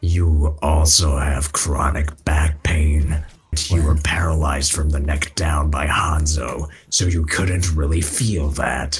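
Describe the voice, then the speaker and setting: A man uses a put-on character voice with a very deep, low pitch. He speaks at a fairly slow pace in a flat monotone. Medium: game stream. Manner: gruff, menacing, deadpan.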